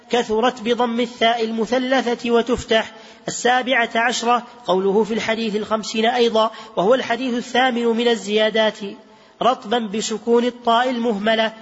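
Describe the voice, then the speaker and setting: A man reading a text aloud to his teacher in a steady recitation, correcting his own slips now and then. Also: very high-pitched. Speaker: student reader. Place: large mosque hall. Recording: reverberant hall, dull lo-fi sound.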